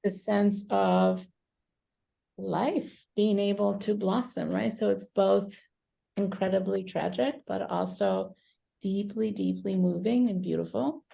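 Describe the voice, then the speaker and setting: Woman, psychotherapist guest, unhurried pace, strong vocal fry, video call. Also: medium pitch, fairly even intonation, dark tone. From Romania. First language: Romanian. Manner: thoughtful, many fillers and pauses. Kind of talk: reflective interview answers.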